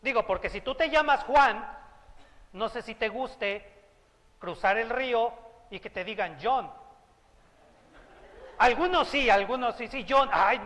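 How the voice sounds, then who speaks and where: Mexican-accented male pastor, conversational humorous sermon, high pitch, reverberant church hall. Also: a little slow, long pauses, a bit bright. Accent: Mexican Spanish. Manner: humorous, conversational preaching with asides.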